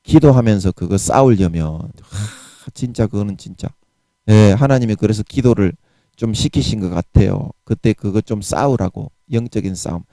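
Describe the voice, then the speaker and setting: A man's voice: fairly low pitch, normal speed, dark tone, no room sound. A man in his forties with a Gyeongsang Korean accent, preaching a sermon in a fiery, blunt way laced with harsh curses. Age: 40s.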